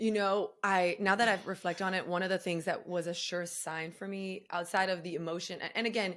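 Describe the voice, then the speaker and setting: The recording is very clean with a silent background. A woman of medium pitch speaks at a fairly quick pace in a monotone, flat intonation. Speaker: fitness instructor. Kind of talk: interview. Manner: fast.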